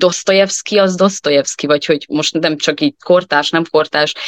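In a dry, close recording with no echo, a woman with a plain, everyday voice speaks at a fairly low pitch with ordinary pitch variation. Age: 20s. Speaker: stage actress. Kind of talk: panel discussion.

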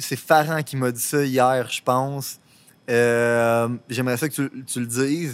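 Speaking at a very slow pace, a medium-pitched man keeps a monotone, flat intonation. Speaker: podcast host, entrepreneur. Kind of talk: casual interview chat.

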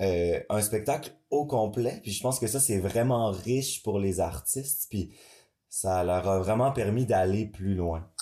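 A man speaks at a very slow pace in a dark, mellow tone. His voice is somewhat breathy, with ordinary pitch variation. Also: fairly low pitch for a man. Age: 20s. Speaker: actor. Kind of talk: interview.

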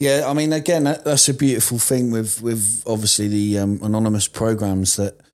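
Fairly quick in pace, a man with an English accent talks at a fairly low pitch with ordinary pitch variation. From England. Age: 30s. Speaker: amateur bodybuilder in addiction recovery. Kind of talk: casual interview. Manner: halting, many fillers.

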